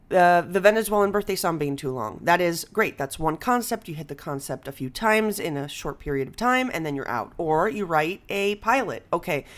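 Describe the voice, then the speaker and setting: A woman hosting a casual podcast conversation, expressive and exclamatory, slipping Spanish phrases into her English. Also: on the low side. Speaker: podcast host and comedy writer.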